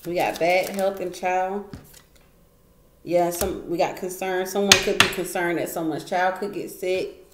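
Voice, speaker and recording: A woman's voice: fairly low pitch, fairly even intonation, unhurried. A woman doing a casual tarot card reading, chatty and emphatic, repeating phrases and laughing often. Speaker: tarot reader. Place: indoor room at a wooden table. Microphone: camera pointed down at the table, speaker off frame. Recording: echoey room, faint noise.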